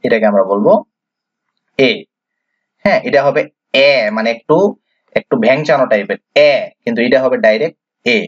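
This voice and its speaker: A man's voice: medium pitch, a little fast, pauses often, slightly rough, no room sound. Patient male teacher drilling letter sounds. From Bangladesh. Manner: patient, repetitive, asks and answers his own questions. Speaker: English reading teacher. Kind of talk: classroom lesson, spelling out letters. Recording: dull, dry, lo-fi sound.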